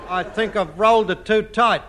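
A man's voice: sits high, moderate pace, natural voice. A man playing a dim-witted sidekick. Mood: hapless. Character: dim-witted, hapless working-class male sidekick. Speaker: comic sidekick. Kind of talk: 1950s radio sitcom acting. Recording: noisy old radio broadcast.

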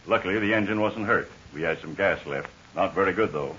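An American actor playing a worried, weary stranded pilot, plain-spoken and grave, in 1940s radio serial style. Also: male voice, deep voice, fairly quick, a bit bright. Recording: dull, hissy 1940s radio recording.

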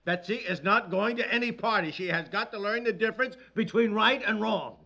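An actor playing an excitable, doting suburban husband and father in 1950s radio comedy style, with a blustering manner. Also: sits high, fairly quick. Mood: stern, indignant. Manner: blustering, exclamatory. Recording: 1950s network radio recording.

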